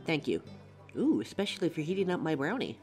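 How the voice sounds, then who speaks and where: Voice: mid-range voice, very animated, fairly quick, a little mellow, faint music behind. A performer playing a sassy, easily needled female werewolf customer in an audio roleplay, blunt and sardonic. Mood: grateful.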